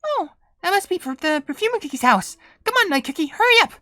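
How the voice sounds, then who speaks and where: High, excitable young cookie princess. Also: female voice, fast talker, dry recording, heavily acted. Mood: eager. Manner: eager, boastful. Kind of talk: video game voice acting. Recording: game music behind.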